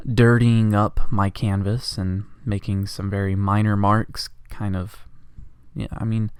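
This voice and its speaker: A man's voice: fairly low pitch, darkish tone, clean tone, dry recording, studio quality. A congested man rambling jokily and casually as he narrates his drawing for a vlog at home. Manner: rambling, jokey, self-deprecating. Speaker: art vlogger.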